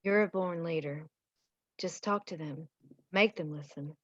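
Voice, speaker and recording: Low, muffled woman as devoted wife. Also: a little slow, no room sound. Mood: tender, encouraging. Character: devoted, encouraging wife of a miners' leader. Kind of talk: script table read. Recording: dull, muffled lo-fi mic.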